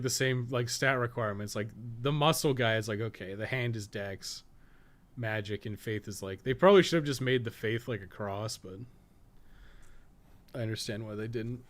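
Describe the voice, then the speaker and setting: A man's voice: medium pitch, moderate pace, long pauses. A man chatting informally and rambling through a live gaming stream, with a fair bit of swearing. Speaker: podcast co-host, game streamer.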